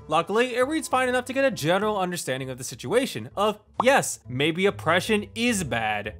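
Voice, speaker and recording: A man's voice: on the high side, a bit bright. A man reviewing in a scripted video essay narration, speaking into a close microphone. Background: music.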